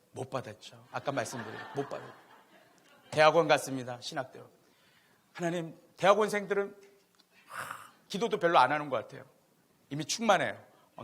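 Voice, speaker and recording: A middle-aged man preaching a sermon as a pastor, telling a personal story with a loud voice, swinging between loud exclamations and hushed asides. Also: fairly high pitch, slightly rough. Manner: animated, swings from loud to hushed, laughing at himself. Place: church sanctuary.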